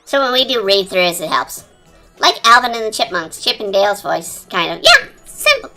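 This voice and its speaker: A streamer talking through a high-pitched chipmunk voice changer in rambling, casual chat while drawing. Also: very animated, normal speed. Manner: rambling, chatty, lots of fillers. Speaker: art streamer. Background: quiet cafe-style background music.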